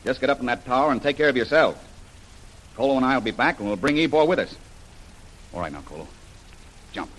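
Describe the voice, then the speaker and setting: A commanding jungle adventurer. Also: male voice, medium pitch, lively intonation, fast talker, pauses often, a bit bright, poor audio. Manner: commanding, takes charge. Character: bold, confident male jungle adventurer.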